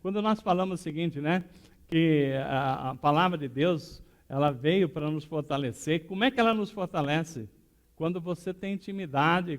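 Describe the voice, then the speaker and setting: A man with a high-pitched voice preaches to his congregation. He talks in an easy storytelling way and keeps checking in with short tag questions. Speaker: pastor. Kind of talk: sermon.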